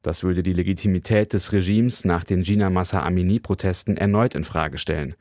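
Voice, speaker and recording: Deep-voiced male radio news correspondent. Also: brisk, no echo, clean studio sound. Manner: even, formal reading. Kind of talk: scripted news report with voice-over translation.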